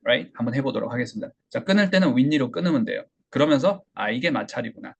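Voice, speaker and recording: A man's voice: mid-range voice, lively intonation, fast talker, gravelly, slightly rough. A man teaching English pronunciation in a lecture, speaking with a Korean accent, demonstrating sounds and repeating example words. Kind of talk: online English lesson.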